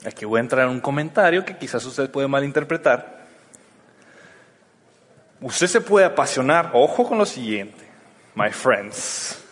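A man with a Mexican accent giving an energetic motivational seminar talk in colloquial slang, acting out little dialogues as he goes. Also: medium pitch, moderate pace, pauses often, big-room sound. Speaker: motivational business speaker.

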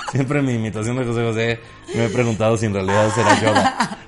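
A man's voice: mid-range voice, expressive, fairly quick, over music. A man with a Mexican accent co-hosting a comedy podcast, joking, laughing often and slipping into impressions. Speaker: podcast co-host. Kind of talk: casual comedy chat.

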